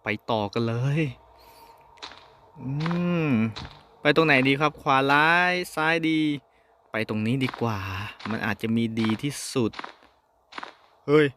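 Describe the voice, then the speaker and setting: A man's voice: mid-range voice, unhurried, bright, forceful tone, a little hiss or hum. A man hosting a horror game playthrough who chats politely to his viewers and yelps and swears when he gets startled. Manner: addresses viewers politely as ท่านผู้ชม. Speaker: gaming host. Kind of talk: horror game let's play commentary.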